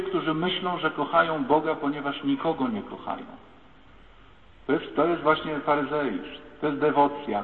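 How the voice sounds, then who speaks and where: A man giving a lively sermon, telling stories and speaking straight to his listeners. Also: fairly high pitch. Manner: lively, acts out quoted voices, addresses listeners directly. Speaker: preacher. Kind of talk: sermon with storytelling. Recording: echoey hall, tinny phone-like sound.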